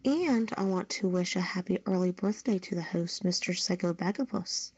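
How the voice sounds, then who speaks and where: A woman's voice: on the low side, moderate pace, a little mellow, husky, no echo. A woman co-hosting a podcast, giving friendly thanks to the listeners. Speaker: podcast co-host. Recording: dull lo-fi streamed voice channel.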